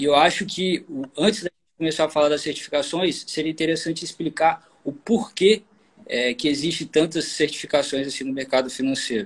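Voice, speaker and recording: This man has a fairly high pitch and a normal speaking voice, talking at a moderate pace with ordinary pitch variation. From Espírito Santo, Brazil. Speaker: financial market professional. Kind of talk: live stream interview.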